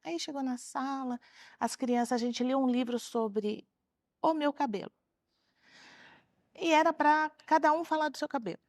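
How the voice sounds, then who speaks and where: A middle-aged woman speaks as a guest in a studio interview, telling classroom stories with animation. Her voice sits fairly high, and the sound is dry and close, with no room echo. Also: moderate pace, long pauses. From Brazil. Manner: animated storyteller, acts out children's voices. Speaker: retired teacher and author, guest. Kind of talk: interview storytelling.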